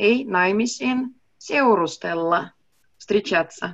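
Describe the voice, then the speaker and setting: Against a quiet background, a woman speaks at a very slow pace with lively intonation. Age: 30s. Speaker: Finnish language teacher. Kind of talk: language lesson. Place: home room. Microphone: webcam.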